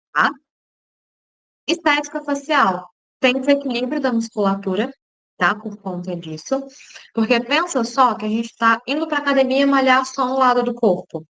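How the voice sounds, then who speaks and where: A woman's voice: mid-range voice, no echo, rough recording. A woman who is a speech therapist, explaining in an informal online lecture and checking in often with listeners, with a Brazilian Portuguese accent. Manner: casual, explanatory, frequent "tá?" check-ins.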